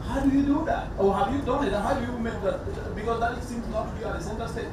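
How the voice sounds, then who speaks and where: A man's voice: very high voice, fast talker. A man from Cameroon moderating a panel discussion, asking probing, emphatic questions. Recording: echoey hall, distant mic, noisy.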